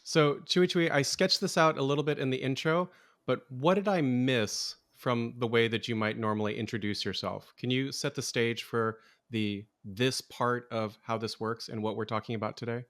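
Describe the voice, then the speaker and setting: A man hosting a podcast, reading a short scripted intro and then asking casual interview questions in a measured way. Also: medium pitch, steady tone, fairly bright tone. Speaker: podcast host.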